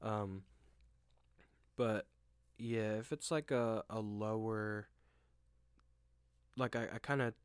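A young man hosting a solo podcast, rambling and self-deprecating with lots of fillers and restarts, with a deep voice. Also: slow, pauses often, clear, resonant tone, no room sound, studio quality. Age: young adult. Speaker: podcast host. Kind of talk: casual solo monologue. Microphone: desk microphone at home.

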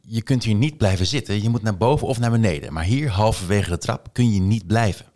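A man's voice: lowish voice, fairly quick, a little mellow, lightly acted. Man reading a know-it-all psychiatrist guy, lecturing. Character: pedantic male psychiatrist.

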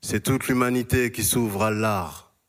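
A man reciting a poem in a steady, earnest reading voice. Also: fairly low pitch, measured pace. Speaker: workshop participant. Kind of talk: poetry recitation.

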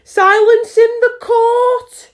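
A woman voicing the fussy male White Rabbit, who shrills and proclaims loudly. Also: very high voice, slow, voice pushed up. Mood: proclaiming.

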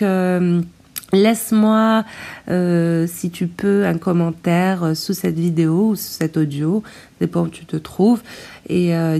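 Low quality recording of a mellow woman podcaster. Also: creaky. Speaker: podcast host. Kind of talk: informal solo podcast talk. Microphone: tablet's built-in microphone, no proper mic. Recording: low quality stream, muffled tablet microphone.

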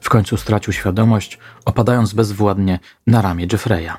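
A man narrating a scripted crime story in a slow, measured way. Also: lowish voice, fairly even intonation, over music.

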